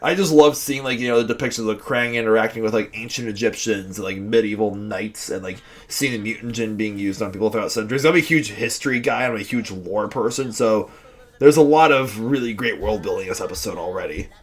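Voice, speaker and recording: A young man hosting a casual review vlog, rambling with many fillers and restarts, excitable when talking about what he's watching. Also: fairly low pitch, fairly quick. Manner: excitable fan talk. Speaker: host.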